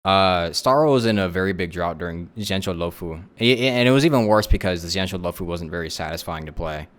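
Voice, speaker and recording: A male streamer chats casually while reacting live, in a fairly low voice. He rambles and restarts his sentences often, leaning on fillers as he thinks out loud. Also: fast.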